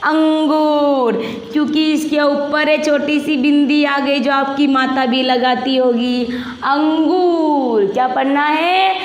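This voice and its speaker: A woman teaching a Hindi reading lesson to young children, reading word by word in a drawn-out sing-song voice and coaxing them along. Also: high voice, steady tone. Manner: coaxing, addresses children as beta. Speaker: primary school Hindi teacher. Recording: echoey room with long reverb.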